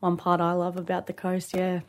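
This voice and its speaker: A woman's voice: fairly low pitch, monotone, moderate pace. A woman in her late twenties with an Aboriginal Australian English accent, talking casually and informally as an interview guest, often dropping in "like" and "you know". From Queensland, Australia. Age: late 20s. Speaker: studio guest, rugby league player.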